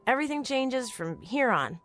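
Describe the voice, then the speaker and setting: A woman's voice: fairly high pitch, sing-song, moderate pace, fairly bright tone, faint music behind. An actress playing a plucky, frank female survivor of a spacecraft crash in an audio drama. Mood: concerned, steady.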